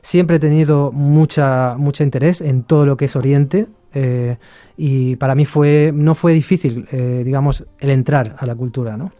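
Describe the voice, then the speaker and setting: Middle-aged guy from argentina, mellow low-key voice, lots of ums and restarts, dry close sound. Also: fairly even intonation, moderate pace, no room sound. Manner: hesitant, many fillers and restarts. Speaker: interview guest, shakuhachi musician. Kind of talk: relaxed conversational interview.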